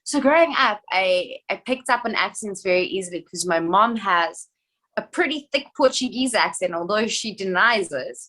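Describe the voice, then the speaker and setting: A young adult woman from South Africa, an actress talking in a casual podcast chat, chatty and animated with quick asides. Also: medium pitch. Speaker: actress guest.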